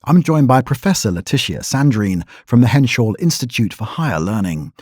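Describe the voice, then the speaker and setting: A sci-fi radio news anchor, husky, expressive pitch, formal and measured, close dry sound. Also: male voice, no echo. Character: composed male radio news host of a sci-fi colony. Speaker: radio news host and interviewer. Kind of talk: scripted broadcast news delivery in an audio drama.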